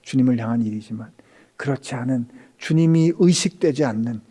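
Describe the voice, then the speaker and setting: A male pastor preaching a sermon, swinging between raised emphatic passages and hushed, whispered lines, acting out quoted speech in intimate tones. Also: mid-range voice, fairly quick, slightly rough.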